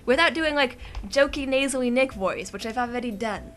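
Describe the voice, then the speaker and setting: A woman's voice: sits high, a little fast, fairly bright tone, soft background music. A woman co-hosting a game video, teasing and joking with her partner. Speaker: let's-play co-host. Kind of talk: casual game banter.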